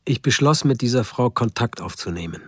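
An actor playing a regretful friend, narrating a radio drama in a sober, reflective, husky voice. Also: male voice, medium pitch, animated, brisk, no room sound, clean studio sound. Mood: sombre, reflective. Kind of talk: scripted first-person radio drama narration.

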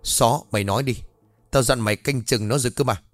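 A man voicing a cruel, sharp-tongued older woman who rules a household, in a spoken ghost story. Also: mid-range voice, brisk, dry recording, natural voice. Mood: flustered. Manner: harsh, sharp-tongued scolding.

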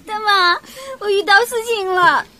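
A woman's voice: very high voice, measured pace, pushed and bright, a little hiss or hum, heavily acted. An actress playing a timid, shy young woman who is crying and hesitant, in a radio drama over background music. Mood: tearful. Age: young adult. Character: tearful, timid young woman, a former tenant.

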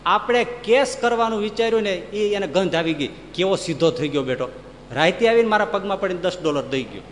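A man's voice: high voice, animated, a little fast, in a large hall, slight background noise, pitched above the performer's own voice. Man doing a blustering rich landowner. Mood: smug. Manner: indignant, blustering. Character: angry rich male landowner wanting revenge.

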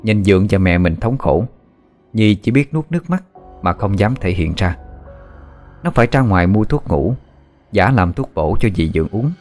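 A man narrating a ghost story in a calm, even way. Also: fairly low pitch, moderate pace, pauses often. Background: faint music.

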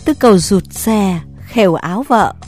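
A woman narrating a story in an expressive, scripted way. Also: medium pitch, moderate pace, over music.

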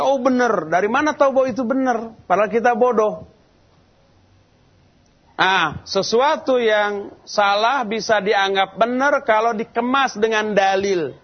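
A man's voice: high voice, muffled recording. A man preaching in a mosque in a colloquial, storytelling style, acting out the people he quotes. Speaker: Islamic preacher. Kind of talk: sermon. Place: large mosque lecture hall.

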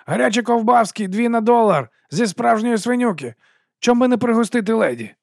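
A man's voice: extremely high pitch, expressive, fairly quick, creaky, no echo, studio quality, voice pushed up, full character voice. A man doing a pushy, wheedling sausage hawker. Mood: hawking. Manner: wheedling sales patter, loud hawking. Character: shifty pushy male street sausage vendor.

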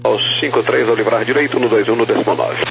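A man's voice: mid-range voice, quick pace, creaky. A man working as a tower controller, speaking terse, formulaic air traffic control radio phraseology.

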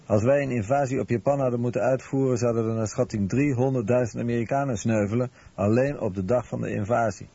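Husky, dark-voiced male documentary narrator. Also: mid-range voice, quick pace, few pauses. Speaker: narrator and voice-over translator. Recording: dull lo-fi radio recording.

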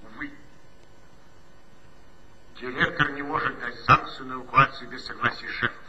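A dutiful police officer in a 1960s radio play, reporting briskly over the radio. His voice is very bright and tense. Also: medium pitch, fairly even intonation, a little hiss or hum, rough recording. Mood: concerned.

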